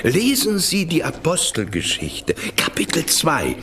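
An actor playing an imperious, fervent Catholic vicar in a historical radio drama, commanding and theatrical. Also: male voice, on the high side, huge pitch swings, measured pace, sharp tone, slight background noise, heavily acted. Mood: fervent, exhorting.

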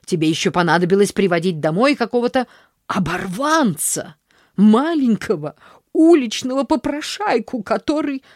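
A woman voicing a stern, strained older aunt who speaks in a sharp, clipped, scolding way. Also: on the high side, lively intonation, normal speed, dry recording, studio quality, pitched above the performer's own voice, lightly acted.

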